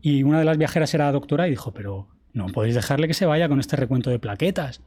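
Man telling a story, mellow tone. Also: mid-range voice, lively intonation, fast. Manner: vivid retelling, acts out quoted dialogue, swears casually. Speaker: podcast guest, traveler. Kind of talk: casual storytelling interview.

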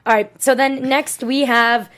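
A woman's voice: a little high, fairly even intonation, unhurried, fairly bright tone. A young adult woman co-hosting a casual chat about a TV show, rambling and saying "like" a lot. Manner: rambling, heavy use of "like". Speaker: co-host.

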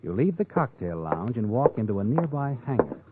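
A man's voice: mid-range voice, very animated, a little fast, background noise, lightly acted. An actor playing a sly, all-knowing narrator who taunts a guilty man in a 1940s radio drama. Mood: sly, taunting. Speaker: narrator and host. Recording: muffled old radio broadcast with music.

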